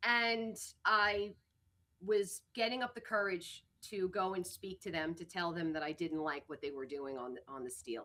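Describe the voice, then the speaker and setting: A loud woman with a New York accent, medium pitch, a bright, sharp tone and lively intonation. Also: moderate pace. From New York City. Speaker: construction project manager. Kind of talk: interview. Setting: video call from a construction trailer. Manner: animated.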